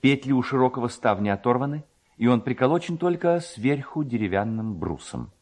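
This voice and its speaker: A male narrator reading literary prose dramatically. His voice sits at an average pitch and moves through wide, animated intonation as he tells the story. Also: fairly quick.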